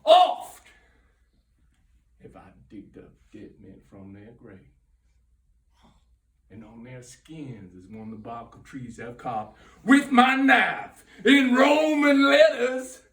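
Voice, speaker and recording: A man playing a remorseless stage villain who relishes his evil deeds, swinging between hushed menace and drawn-out roaring in a theatrical monologue. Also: very high-pitched, sing-song, exaggerated voice. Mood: gloating, mounting frenzy. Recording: roomy sound, far from microphone.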